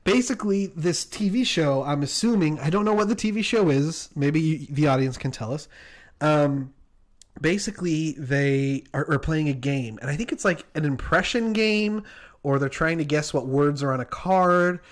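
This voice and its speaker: A man co-hosting a podcast in casual chat, excitable and quick to laugh. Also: a little high. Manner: excitable, gushing, laughs easily. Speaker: podcast co-host.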